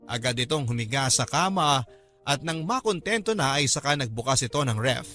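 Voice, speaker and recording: A man narrating a scripted first-person love story as a radio drama narrator, with measured, dramatic storytelling. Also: medium pitch, lively intonation, sharp tone, soft background music.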